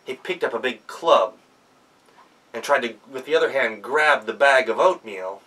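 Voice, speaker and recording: A professional storyteller narrates a folktale aloud, theatrical and heavy on emphatic sound words. His mid-range voice is pushed and bright at a normal speed, picked up by a distant mic.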